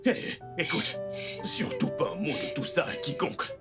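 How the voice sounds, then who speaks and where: A man's voice: sits high, wildly swooping pitch, normal speed, over music. An actor playing a callous young man who brushes off and threatens a girl. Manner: dismissive, coarse, threatening. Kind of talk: dubbed film drama.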